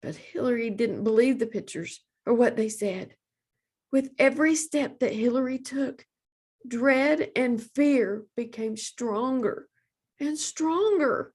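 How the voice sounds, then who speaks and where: A woman reading aloud for young children as a librarian, with deliberate, expressive phrasing. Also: fairly high pitch, breathy edge.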